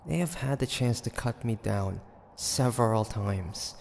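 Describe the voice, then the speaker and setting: A man playing a cocky, stubborn demon hunter of the 1850s in a dramatic audio roleplay, theatrical and halting. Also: fairly low pitch, vocal fry, very noisy. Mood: baffled, resigned. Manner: theatrical, taunting, halting with sighs and pauses.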